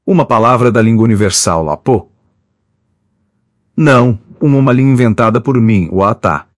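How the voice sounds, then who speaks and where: A male audiobook narrator with a medium-pitched voice reads a chapter in a steady, measured manner. The recording is dry and studio quality.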